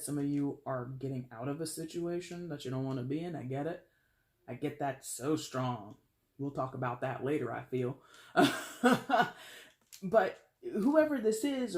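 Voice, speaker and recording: Woman, deep voice, chatty, animated, tarot reader, casual monologue. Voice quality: fairly deep voice. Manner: chatty and animated, trailing off mid-phrase.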